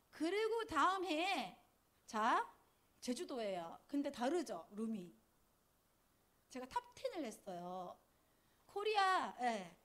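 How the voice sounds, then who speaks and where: A woman in her forties telling lively family stories in a business seminar, acting out what her relatives said. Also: high-pitched. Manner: lively storytelling, acts out quoted family voices. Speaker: network marketing speaker. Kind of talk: business seminar talk with slides. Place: seminar hall.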